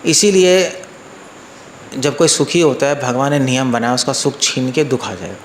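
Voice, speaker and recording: A man, a monk, giving an informal spiritual talk to a live audience, asking listeners questions and acting out quoted voices in a softer, lower tone. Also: normal speed, roomy sound, slight background noise. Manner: conversational, asks listeners questions, mixes in English words.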